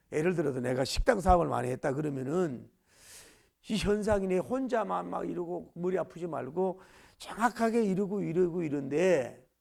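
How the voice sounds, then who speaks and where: A man's voice: fairly high pitch, gravelly, darkish tone. A man from the region preaching a sermon as a pastor, emphatic and full of rhetorical questions. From Gyeongsang region, Korea.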